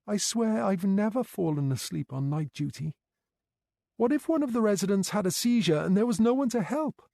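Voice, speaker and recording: A woman's voice: mid-range voice, animated, moderate pace, vocal fry, mellow, no room sound, pitched above the performer's own voice. A man voicing an anxious young female night care worker, talking in a worried, pleading way close to tears.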